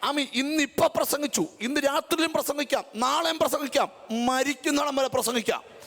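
A middle-aged woman preaching a fiery revival sermon, telling stories dramatically and breaking into shouts between amens and hallelujahs. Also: sits high, fairly quick. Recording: long echo of a large hall.

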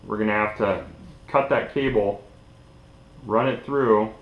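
Unhurried and fairly low-pitched, a young man walks through an informal hands-on DIY tutorial at a table indoors. The small room makes the lo-fi recording sound echoey.

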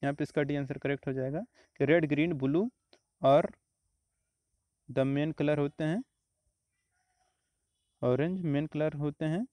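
A man, teaching exam questions step by step in a steady, explanatory way. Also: on the high side, a little slow, pauses often, no room sound. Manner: steady explanatory, repeats answers, frequent "तो देखिए" and "आपका".

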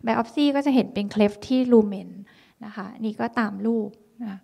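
A woman's voice: mid-range voice, slow pace, creaky, mellow, breathy edge. A woman physician giving a dermatology lecture, explaining conditions step by step and mixing in many English medical terms. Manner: explanatory, mixes English medical terms, frequent polite particles.

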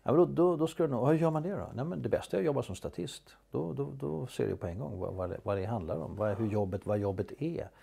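A man's voice: medium pitch, gravelly, hardly any pauses, warm tone, breathy edge. A man voicing a young woman actress who gives friendly, encouraging advice. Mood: advising. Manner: encouraging, explaining.

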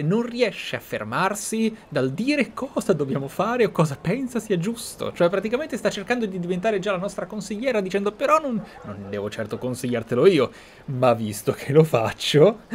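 A man's voice: high voice, darkish tone. Reflective man over game ambience. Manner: reflective, explanatory. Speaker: host of a gameplay series. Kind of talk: role-play game commentary. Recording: clear background game ambience noise.

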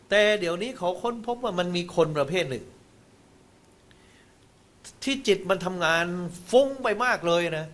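A man with a fairly high voice gives a televised Buddhist dharma talk. He explains in a teaching manner, breaking into exclamations and sprinkling in English terms. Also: fairly bright tone.

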